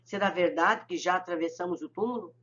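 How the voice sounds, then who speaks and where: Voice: medium pitch, brisk, a bit bright, dull audio, natural voice. A reader voicing a distraught woman spirit, an anguished mother who pleads in anxious exclamations.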